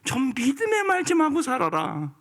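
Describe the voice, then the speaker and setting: A man's voice: very high-pitched, wildly swooping pitch, moderate pace, fairly bright tone, voice pushed up, heavily acted. A pastor voicing God as a stern male figure scolding his doubting people. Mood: exasperated. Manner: exasperated scolding.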